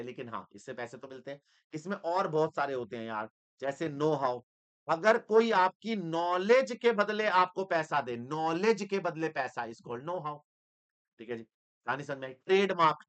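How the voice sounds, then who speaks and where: A man teaching accounting in an energetic, teasing lecture style, switching between Hindi and English. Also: a little high. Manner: animated, teasing, mixes Hindi with English terms.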